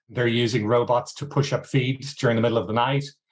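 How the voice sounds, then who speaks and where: A man with an Irish accent and a medium-pitched, somewhat breathy voice speaks with fairly even intonation over a quiet background. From Ireland. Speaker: agtech investment executive. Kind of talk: panel interview.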